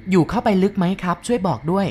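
A woman's voice: mid-range voice, rapid-fire, dark tone, slight background noise, natural voice. A woman voicing a kind-hearted husband who speaks earnestly and with urgency. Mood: earnest, urgent.

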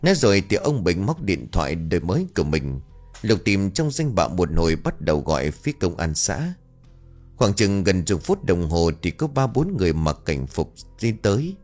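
Lively male storyteller, low voice. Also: normal speed, faint music behind. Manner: steady, dramatic narration. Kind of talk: dramatic story narration.

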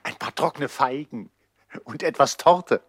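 A man's voice: medium pitch, a little slow, breathy edge, no echo, studio quality. An actor playing an eager, anxious young boy, earnest and pleading, in a 1960s radio play. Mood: earnest, concerned.

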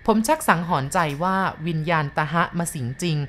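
A woman narrating a ghost story in a slow, measured way. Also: on the low side, expressive, slight background noise.

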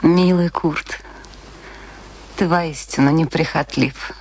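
An actress in a radio play playing a long-married older wife and hostess with a dry, teasing manner. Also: female voice, low-pitched, fairly even intonation, takes it slowly, a little mellow, a little hiss or hum. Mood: gracious.

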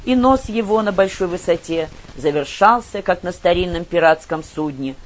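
A woman narrates a novel in a measured, expressive reading. Her voice sits somewhat low for a woman. The story is told in first person at an even storytelling pace. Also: a little hiss or hum. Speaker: audiobook reader. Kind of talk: literary audiobook narration.

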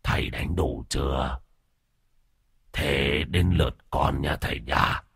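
A man voicing a cruel, mocking male ghost dog that speaks in low, quiet threats. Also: slow pace, vocal fry, husky, no room sound, studio quality, heavily acted. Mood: menacing.

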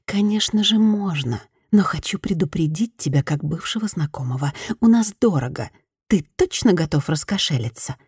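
Woman voicing a sharp, curt young heroine, defensive, dark mellow tone. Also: lowish voice, expressive, moderate pace, slightly rough, dry recording, clean studio sound. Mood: cold. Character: guarded young woman who works in a bar.

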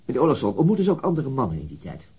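Radio drama role: courteous, persistent police inspector; very husky, lively pitch, formal probing. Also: male voice, racing, muffled recording, full character voice. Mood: insistent, formal.

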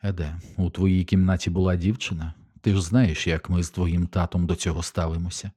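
A calm, cold middle-aged mother speaks in a quiet, even voice that never rises, read by a man. The tone is low and dark, as in an audiobook. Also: a little fast, slightly rough.

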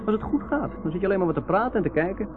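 An actor playing a chatty, reassuring young ship's doctor in a Dutch radio play. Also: male voice, high voice, lively intonation, rapid-fire, music in the background. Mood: talkative, reassuring. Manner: chatty, reassuring, repeats himself. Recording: noisy narrowband old radio recording.

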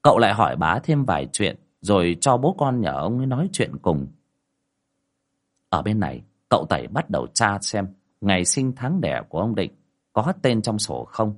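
A man's voice: fairly low pitch, sing-song, normal speed. A man narrating a ghost story in a dramatic manner, voicing the characters' dialogue.

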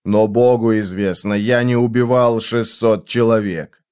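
A man's voice: lowish voice, steady tone, unhurried, a little mellow, clean tone, lightly acted. A man voicing a tormented, scarred man torn between love and rage in a dramatic audiobook reading, with anguished outbursts. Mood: bitter.

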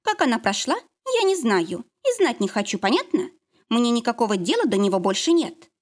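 A woman's voice: on the high side, very animated, a little fast, pitched above the performer's own voice. Woman doing a strict, pushy ex-wife. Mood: cold, insistent. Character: curt, cold, haughty ex-wife, adult woman.

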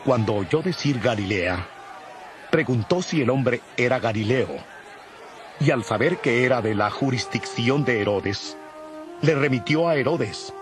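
A man reading scripted Bible narration in a formal, measured, solemn manner. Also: medium pitch.

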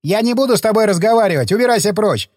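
A man voicing a spoiled, hysterical rich male patient who shrieks rapidly. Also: sits high, lively intonation, darkish tone, dry recording, clean studio sound, pitched above the performer's own voice.

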